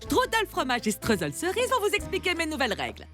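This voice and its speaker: A woman voicing a bossy country baker in an animated cartoon, theatrical and flowery, with sugary condescension. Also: high voice, brisk, exaggerated voice. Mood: breezy, bossy. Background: background music.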